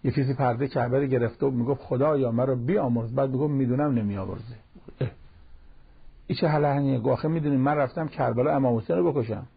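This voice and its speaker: A man's voice: medium pitch, steady tone, vocal fry, few pauses, breathy edge. A man giving a conversational sermon on Quran verses in speech, quoting Arabic verses now and then. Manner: plain conversational preaching, quotes Arabic verses. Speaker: cleric giving a Quran commentary talk. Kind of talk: sermon-style Quran commentary. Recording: dull lo-fi broadcast recording.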